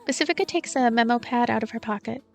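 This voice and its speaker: Woman, high voice, let's play narration and commentary, background music. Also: quick pace, vocal fry.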